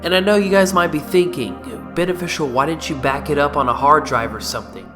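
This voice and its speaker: A man's voice: fairly high pitch, fairly quick, over music. A man giving casual, informal video game commentary as a review host, mildly sweary.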